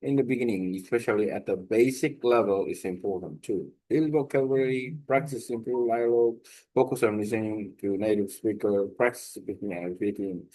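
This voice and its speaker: A man with a Korean accent, a native Korean speaker, reading a prepared text aloud slowly and deliberately, pausing and correcting himself as he shares his language-learning method. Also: on the low side, mellow, rough recording. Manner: slow, deliberate reading with pauses and self-corrections.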